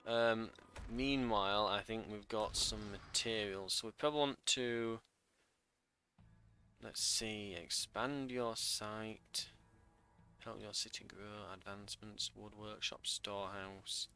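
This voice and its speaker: A man's voice: fairly low pitch, fairly even intonation, slow pace, pushed and bright, slight background noise. A man giving casual let's play commentary, thinking aloud in a wry way.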